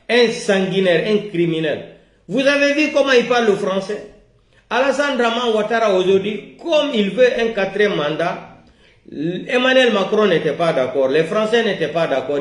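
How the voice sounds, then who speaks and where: Ranting West African man, echoey room. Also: sits high. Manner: vehement, ranting, accusatory, commanding; repetitive, emphatic declarations. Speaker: political video commentator. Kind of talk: political rant to camera. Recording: roomy, echoing room.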